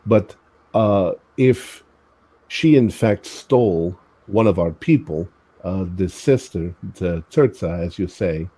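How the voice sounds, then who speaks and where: A man voicing a solemn village elder in a tabletop game, speaking in measured, deliberate sentences. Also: low-pitched, dark tone, breathy edge, heavily acted.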